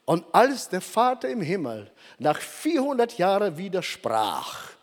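An older man preaching a sermon, emphatic and slowing down for dramatic pauses. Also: high-pitched, huge pitch swings, big-room sound.

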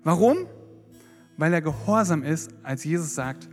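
Man, sermon, lively, high pitch, reverberant hall. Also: measured pace. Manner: lively, dramatizing with acted-out prayers. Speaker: preacher. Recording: long hall reverb with faint guitar.

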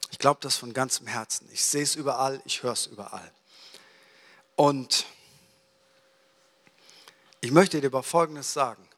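A man preaching a sermon in a lively storytelling way, acting out little dialogues as he goes. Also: medium pitch, measured pace, pauses often. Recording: reverberant hall.

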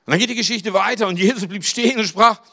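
High, bright-voiced preacher man. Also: fast, creaky. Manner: dramatic, rising to near-shouts on emphasized phrases and dropping low for asides. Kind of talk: sermon.

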